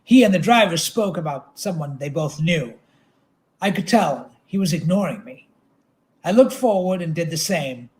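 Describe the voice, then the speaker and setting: A man reading literary narration aloud at an event, with a measured, dramatic delivery. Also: fairly high pitch, expressive, a little mellow.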